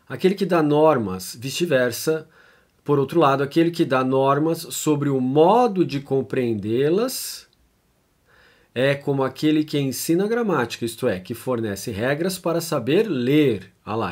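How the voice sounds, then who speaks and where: Man, Brazilian Portuguese accent, informal lecture, reading and commenting, chatty tag questions, medium pitch. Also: a little mellow. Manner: conversational, frequent tag questions and fillers. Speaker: lecturer on theology.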